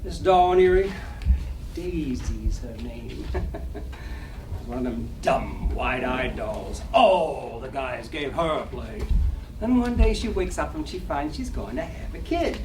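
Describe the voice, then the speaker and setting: A man's voice: mid-range voice, expressive, slow pace. A man acting a boastful middle-aged small-time Broadway gambler in a dramatic stage reading, slangy, chuckling and garrulous. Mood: confiding, swaggering. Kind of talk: dramatic stage reading of 1920s American play. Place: library reading room, live reading. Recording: roomy, distant, faintly noisy live recording.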